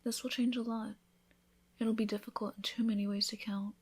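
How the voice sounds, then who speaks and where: A woman playing a devoted newlywed vampire wife in an intimate ASMR roleplay, speaking softly, often in a whisper, with an affectionate, reassuring manner. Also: fairly high pitch, flat delivery, brisk. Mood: gentle, reassuring. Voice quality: soft, breathy, often whispered.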